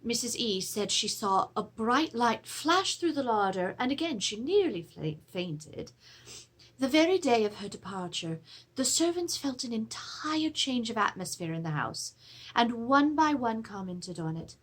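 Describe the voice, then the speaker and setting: Casting: actress as genteel Edwardian lady of a haunted house, theatrical dramatic reading, slightly husky, very varied intonation. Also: fairly high pitch, a little slow, exaggerated voice. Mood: animated, astonished. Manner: formal, theatrical, expressive storytelling. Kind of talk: dramatic reading of a period letter. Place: small room with draped cloth backdrop.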